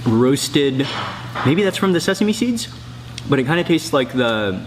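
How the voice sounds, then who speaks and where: A man's voice: medium pitch, sing-song, a little slow, noisy background. A man narrating a travel and food vlog in a casual, upbeat way, talking straight to the camera. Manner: upbeat, descriptive, talks to the camera. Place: outdoors and in public places while traveling.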